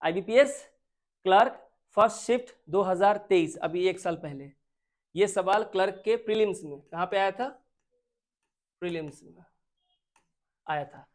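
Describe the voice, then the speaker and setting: In a high-pitched voice, a man with an Indian accent leads a grammar lesson geared toward exams. Points get repeated, students get questioned, and English sentences are read out slowly, word by word.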